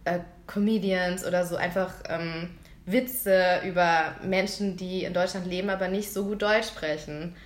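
A woman's voice: lowish voice, fairly even intonation, measured pace, echoey room. A young German woman in casual conversation, thinking aloud with many fillers. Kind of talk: casual chat.

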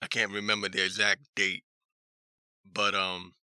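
A man with a hoarse voice giving casual news commentary as a talk show host, halting and repeating himself in a skeptical manner as he reads articles aloud. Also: low voice, little pitch movement, sharp tone, no room sound, studio quality.

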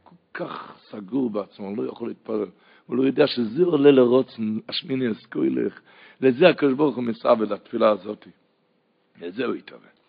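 A man preaching a Torah sermon as a rabbi, with an Ashkenazi Hebrew pronunciation and Yiddish words, moving from hushed teaching to fervent crying out. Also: mid-range voice, gravelly, husky. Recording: muffled lo-fi recording.

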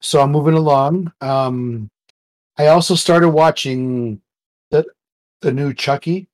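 A man co-hosting a podcast, chatting casually, halting and repeating words as he searches for what to say. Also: a little high, a little mellow. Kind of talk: casual chat.

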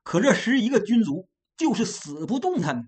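A woman storyteller narrating a classic novel with a lively, expressive delivery. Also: medium pitch, brisk.

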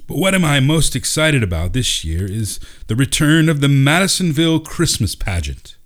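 A man's voice: medium pitch, big pitch swings, moderate pace, pitched above the performer's own voice, lightly acted. Man playing a grandiose town theater director, proclaiming. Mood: grand, proclaiming. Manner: theatrical, proclaiming announcer delivery.

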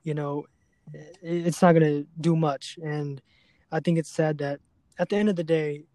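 A man hosting a serious podcast conversation, speaking earnestly and haltingly, often repeating words as he goes. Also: on the high side, steady tone, dark tone, no room sound. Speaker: podcast host.

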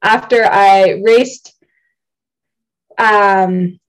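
A woman's voice: medium pitch, steady tone, drawn-out words, poor audio. A young woman from Ontario, an athlete guest in a casual interview on a video call, chatty and self-deprecating, laughing often and rambling. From Ontario, Canada.

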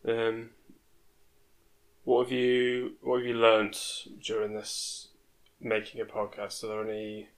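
A man asks questions in a relaxed chat between friends. His voice is low and flat, and he hesitates often before he gets to the point. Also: takes it slowly, poor audio. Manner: hesitant, many ums and short agreeing yeahs. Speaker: interviewer. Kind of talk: casual interview chat.

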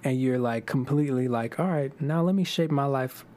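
A man with an African American accent speaks at a middle pitch. He is in a relaxed, informal chat with friends, using casual slang. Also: normal speed. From Toledo, Ohio, USA.

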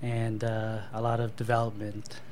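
A man's voice: fairly low pitch, completely flat delivery, moderate pace, darkish tone, a little hiss or hum. A man being interviewed as a company guest, thoughtful and hesitant, filling his answers with ums and uhs. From born in Thailand to Cambodian parents, raised in Canada. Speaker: marketing manager and guest.

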